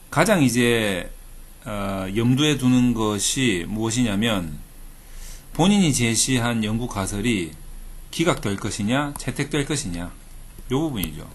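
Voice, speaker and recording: A man from Busan, giving a casual video lecture on thesis statistics and talking in a chatty way with fillers and playful jokes. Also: medium pitch. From Busan, South Korea. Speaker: research institute director teaching thesis statistics. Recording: faint background noise.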